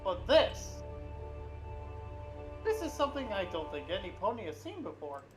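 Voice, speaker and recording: Male comedy podcast performer, high-pitched, joking script read with music underneath. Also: very animated, moderate pace. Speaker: podcast cast member.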